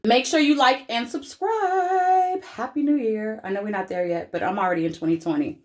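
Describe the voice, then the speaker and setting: A woman's voice: on the high side, moderate pace. A woman giving a casual social media tutorial in a playful, chatty, informal way.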